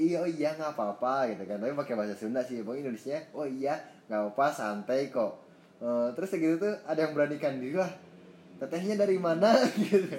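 Talking at a very fast pace, a man with a fairly high pitch uses lively intonation over noticeable background noise. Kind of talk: casual chat.

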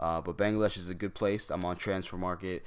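Over a silent background in a very clean recording, a man with a very deep, low pitch speaks very fast in a monotone, flat way. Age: 20s. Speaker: professional soccer player. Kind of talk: interview.

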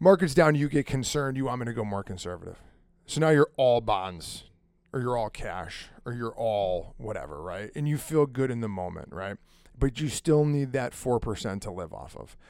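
In an unremarkable speaking voice of medium pitch, a man with an American accent talks at a moderate pace with lively intonation and big swings in loudness, recorded very cleanly against a silent background. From Connecticut, Hartford area. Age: 40s. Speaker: financial advisor. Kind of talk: casual chat. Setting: studio.

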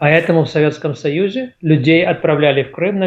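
Using an ordinary speaking voice, a man talks fairly quickly at a fairly high pitch with ordinary pitch variation. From Russia. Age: 60s. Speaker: nutrition author and health consultant. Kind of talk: interview Q&A.

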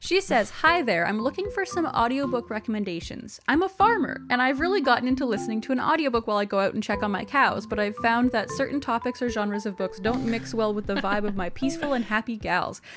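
Over noticeable background noise, a woman talks at a very fast pace with hardly any pauses. Her fairly high voice carries lively intonation. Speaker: book podcast co-host. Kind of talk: casual chat.

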